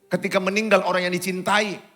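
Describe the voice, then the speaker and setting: A pastor with a Medan accent delivers a sermon in a church hall, his voice pitched high for a man. He swings from loud, urgent exhortation to quiet, softer asides. Faint music plays behind him. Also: level tone, fast. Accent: Indonesian, Medan. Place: church auditorium.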